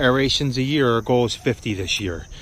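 A man with a normal speaking voice talks at a fairly quick pace and fairly even intonation over light background noise. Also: dry sound with no echo. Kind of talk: tutorial. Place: garden. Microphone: phone near.

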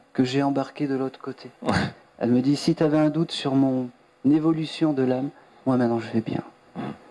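Long, frequent pauses break up a man's fairly quick speech, delivered at a medium pitch with monotone, flat intonation. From Nice, southern France; southern France. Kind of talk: live mediumship session before an audience. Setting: stage with audience. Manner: halting. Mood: warm, gentle. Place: meeting room. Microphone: handheld.

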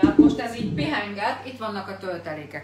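A woman's voice with music in the background. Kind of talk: cooking tutorial live stream. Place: kitchen. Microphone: phone near.

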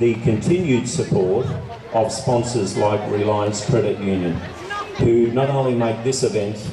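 A man talks with very even loudness. Clear music plays in the background. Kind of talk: public speech. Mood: warm, thankful. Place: stage.

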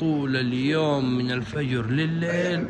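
Background noise is noticeable throughout. The speaker is a man. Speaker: food vlogger. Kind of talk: casual vlog commentary. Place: shop. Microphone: phone near.

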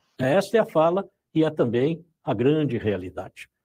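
The speaker is a man with a dark, mellow tone. His intonation is lively. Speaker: council president. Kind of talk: formal speech. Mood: firm, explanatory. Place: studio. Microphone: lapel.

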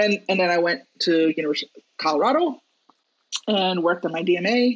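A woman has an ordinary speaking voice, fairly low in pitch. She talks at a moderate pace against a quiet background. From US East Coast. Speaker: band director; guest. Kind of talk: panel discussion. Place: home room. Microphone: webcam.

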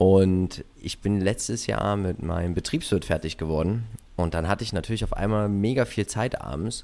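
A man speaks in a normal speaking voice at a moderate pace, his pitch fairly low with ordinary variation. The recording is very clean, with a silent background. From Germany, childhood partly in Canada and USA. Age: 20s. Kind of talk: interview.

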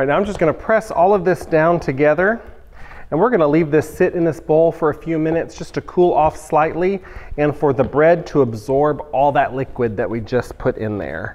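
Someone with an American accent talks at a moderate pace. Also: man, fairly high pitch for a man. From US Midwest. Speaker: cooking video host. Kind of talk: cooking tutorial. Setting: studio kitchen. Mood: relaxed, friendly. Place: kitchen. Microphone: lapel.

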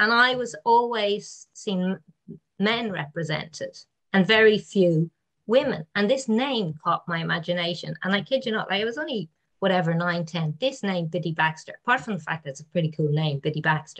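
A woman's medium-pitched voice moves with lively intonation. She keeps a moderate pace. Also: quiet background. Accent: Irish. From Ireland. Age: 50s. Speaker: film producer. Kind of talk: panel discussion. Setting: video call. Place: home room. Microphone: webcam.

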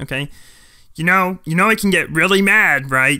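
A man puts on a whiny character voice, pitched high, at a moderate pace. The recording is very clean, with a silent background. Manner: exasperated, whiny.

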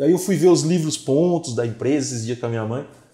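In a room with audible echo but a quiet background, a man speaks at a fairly high pitch with a dark, mellow tone. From São Paulo city (Itaquera), Brazil; raised in Santa Bárbara d'Oeste; São Paulo, Brazil. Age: 40s. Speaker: public servant; guest. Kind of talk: interview; interview answer. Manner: halting, with many repetitions. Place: studio.

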